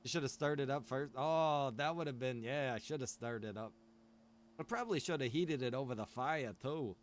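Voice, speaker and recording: In a casual gaming livestream, a man playing a survival roleplay game jokes in a laid-back way and laughs frequently. He speaks at normal speed with a medium pitch, and a little hiss or hum is audible.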